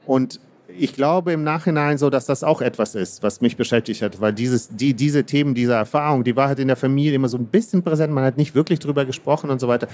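Thoughtful guy from kazakhstan, author being interviewed, lots of uhs and restarts, middle pitch. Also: fast talker, darkish tone. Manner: thoughtful, hesitant, many fillers and restarts. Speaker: author guest. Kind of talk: interview answers.

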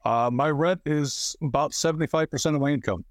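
A man's voice: on the high side, fairly quick, no echo. A man in his sixties, a renter, talking about his rent in a matter-of-fact way. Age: 60s. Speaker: interviewed renter. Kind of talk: interview testimony.

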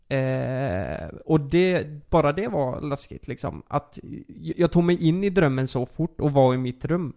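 A man's voice: fairly high pitch, darkish tone. A young man telling a personal story in a casual chat, rambling with lots of fillers and restarts.

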